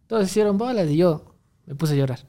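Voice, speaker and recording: A man's voice: high-pitched, expressive, fast talker, warm tone. A young man, rambling through a story in casual chat, full of restarts and fillers. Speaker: guest telling a story.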